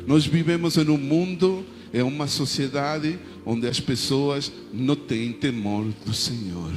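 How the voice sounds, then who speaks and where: A man's voice: mid-range voice, big-room sound. A man from Argentina who speaks Spanish natively, preaching a sermon with an Argentine Spanish accent and leading the congregation in prayers and responses. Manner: preaching with call-and-response prayers and frequent "amém". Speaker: pastor.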